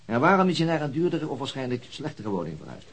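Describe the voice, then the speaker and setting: An actor playing a methodical, weary police detective in a radio drama, speaking in a dry, deliberate, sometimes hesitant way. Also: male voice, medium pitch, sing-song, a bit bright, husky. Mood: dry, thoughtful. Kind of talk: naturalistic radio drama dialogue.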